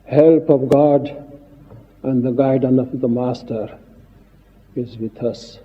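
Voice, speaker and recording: Very slow, solemn man in a reverberant hall. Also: medium pitch, fairly even intonation. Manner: solemn, halting, short phrases with long pauses. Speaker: Sufi spiritual teacher giving an address. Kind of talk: devotional speech. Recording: muffled 1950s archive recording, reverberant hall, phone-like.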